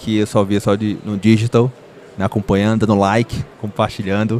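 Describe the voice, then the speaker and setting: A man with a Ceará accent, fairly low in pitch, at a moderate pace. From Ceará, Brazil. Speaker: podcast host. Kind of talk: casual chat.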